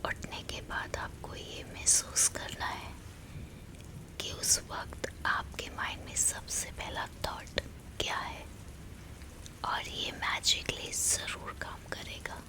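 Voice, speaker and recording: Slow, whispering Indian woman guiding meditation. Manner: soothing, slow, gentle instructions in short phrases. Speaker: ASMR guided meditation host. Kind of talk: whispered ASMR guided meditation.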